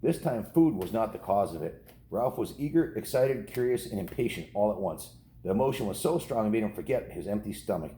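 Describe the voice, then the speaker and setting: A man's voice: lowish voice, expressive, a little fast, warm tone. A middle-aged American man talking casually and reading aloud as a dad hosting a story video for kids. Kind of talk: casual home vlog chat and read-aloud storybook narration.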